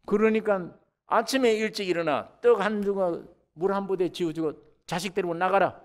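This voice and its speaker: A man preaching a sermon in a church, animated, who acts out biblical characters in dialogue and rises sharply in pitch and volume when stirred. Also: normal speed. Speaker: pastor. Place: church sanctuary.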